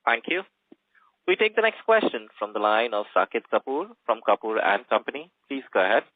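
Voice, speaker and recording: A man's voice: mid-range voice, very animated, a little fast, dry recording. A man moderates a conference call with scripted announcements. His intonation swings up and down, and the sound is a dry, narrow telephone line.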